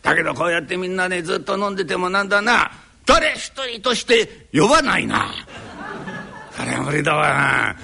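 A man's voice: sits high, moderate pace, gravelly, full character voice. A man voicing a bossy, jovial landlord in a live rakugo storytelling, with an old Tokyo downtown accent, coaxing and scolding. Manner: coaxing, scolding, lively shifts of voice. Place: live performance hall.

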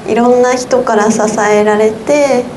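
A teenage girl, a student guest, giving a gentle, slightly halting message to listeners. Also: on the high side, steady tone, a little hiss or hum, rough recording. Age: teens.

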